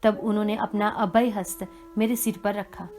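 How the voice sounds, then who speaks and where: A woman giving a measured, reverent devotional scripture reading. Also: mid-range voice, fairly even intonation, darkish tone, soft background music. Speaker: reader of a devotional text.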